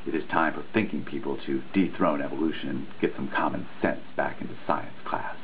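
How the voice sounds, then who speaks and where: A man with a very low voice delivers a dramatic reading of written prose. His delivery is measured and declamatory, with emphatic stresses. The recording is thin and telephone-like, with faint noise behind him. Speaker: reader, host of a reading series. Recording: muffled phone-like sound, faint noise.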